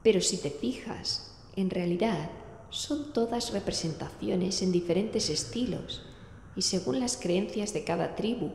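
A woman playing an analytical investigator in a horror audio drama, explaining things in a measured way. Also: medium pitch, creaky, darkish tone. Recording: echoey hall, faint noise, ambience.

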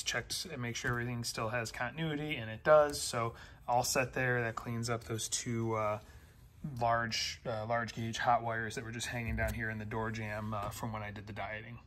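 Flat-voiced man narrating a garage car build. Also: medium pitch. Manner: plain, methodical, many "uh" and "um" fillers. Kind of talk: casual build-update narration. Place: garage workshop.

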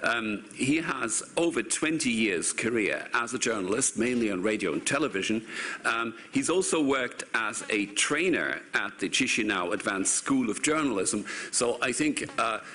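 Hesitant bright-voiced man moderating a panel. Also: medium pitch, animated, normal speed. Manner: hesitant, many fillers and restarts. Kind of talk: conference panel introductions. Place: large conference hall, seated at panel table. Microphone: table microphone.

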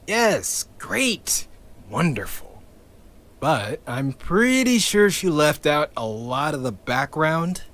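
Blunt, bitter crewman, slow, lively pitch, swears. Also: heavily acted. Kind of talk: audio drama acting.

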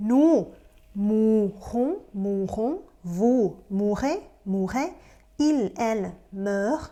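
A young woman teaching a language lesson, giving slow, careful model pronunciations between quick explanations. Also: medium pitch, mellow. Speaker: French teacher.

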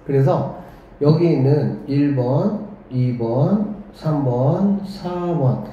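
A man's voice: a little high, slow, warm tone. Guy teaching math at a whiteboard, keeps asking "right?", super echoey classroom, dull lo-fi sound. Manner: questioning, leads students with rhetorical checks; talks while drawing on the board, murmuring along. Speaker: academy director teaching math.

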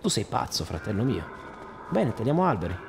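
A man commentating his own survival game playthrough, excitable and swearing, shouting at the enemies. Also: medium pitch, brisk, vocal fry, a little hiss or hum. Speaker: gaming streamer. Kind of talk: let's play commentary. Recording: music in the background.

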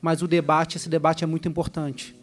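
A man's voice: on the high side, little pitch movement, a little fast. A man, a state attorney, giving a polite, explanatory formal address at a legislative hearing.

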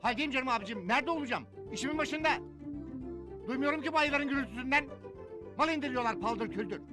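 A man's voice: very high-pitched, animated. A man playing a panicky, whining worker who has overslept in a sitcom. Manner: panicky, whining, fast-talking. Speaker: Sedat, overslept market worker. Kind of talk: TV sitcom acting. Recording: TV episode with music underneath.

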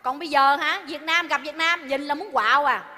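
A woman's voice: high-pitched, fairly quick, sharp tone. An actress playing a nagging restaurant-owner wife in a stage comedy sketch, scolding her husband theatrically. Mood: complaining. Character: bossy nagging Vietnamese-American restaurant wife. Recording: reverberant stage hall.

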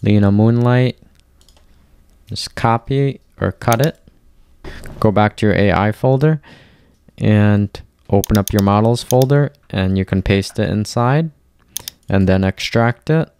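A man narrating a step-by-step software tutorial in a plain, instructional way. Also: fairly low pitch, measured pace, long pauses, a little hiss or hum.

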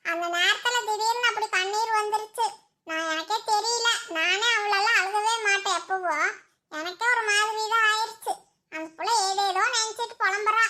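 A woman's voice: extremely high pitch, pushed and bright. A woman voicing the caring, scolding older women of a village family in a cartoon. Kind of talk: cartoon voice acting.

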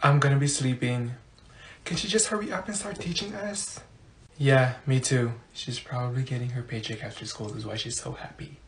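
A woman playing a grumpy, mouthy high school student in a comedy classroom skit, blunt and complaining. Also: moderate pace, few pauses, close to an everyday voice. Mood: muttering, bored.

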